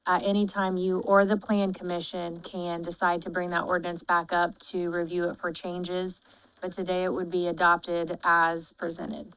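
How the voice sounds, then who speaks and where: Brief: female adviser, low, even, smooth voice, patient explanation. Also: normal speed, poor audio. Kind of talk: explaining procedure in a meeting.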